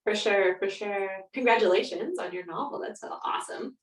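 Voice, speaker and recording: A woman's voice: mid-range voice, moderate pace. A woman speaking as a guest author, answering conversationally in an interview. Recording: roomy, distant from the mic.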